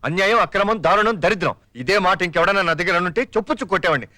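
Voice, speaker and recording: A man's voice: high-pitched, sharp tone, dry recording, clean studio sound. An actor playing a young father who pleads and jokes as he talks his friend into a scheme, in a comic film. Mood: fast pleading. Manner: fast, pleading and joking.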